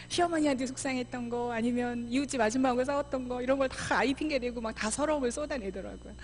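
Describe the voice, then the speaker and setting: Woman missionary, middle-aged, church seminar talk, fairly high voice, faint hum behind. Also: fast talker. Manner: lively, acts out mothers and children in quoted voices. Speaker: missionary speaker. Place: church sanctuary.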